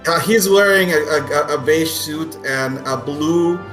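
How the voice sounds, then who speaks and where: A man acting as game master, narrating a tabletop game in a halting, deliberate way. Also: fairly high pitch, fairly bright tone, soft background music, rough recording.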